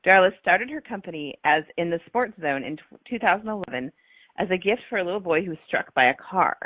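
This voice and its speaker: A woman's voice: on the low side, animated, fairly quick. A woman hosting a radio show, her voice a little scratchy from a cold, introducing her guest enthusiastically with frequent ums and uhs. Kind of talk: scripted guest introduction and chat. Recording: tinny phone-line sound.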